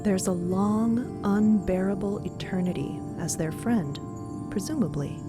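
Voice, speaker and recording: A woman's voice: mid-range voice, unhurried. A woman narrating a scripted drama podcast in a theatrical storytelling style. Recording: loud music under the voice. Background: music.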